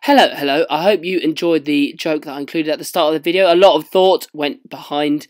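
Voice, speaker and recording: A young Englishman with a husky, hoarse voice that sits fairly high. He explains training in an earnest, self-deprecating way, like a casual home vlog recorded on a camera at arm's length. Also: brisk, soft background music. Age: young adult. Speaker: fitness vlogger. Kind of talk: casual vlog chat and voice-over. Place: home, small room.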